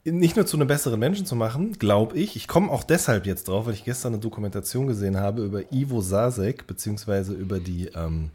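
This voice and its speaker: With a low, mellow, husky voice, this man talks fast and barely pauses. He's co-hosting a casual podcast, chatting wordily, repeatedly rephrasing himself and circling around what he wants to say.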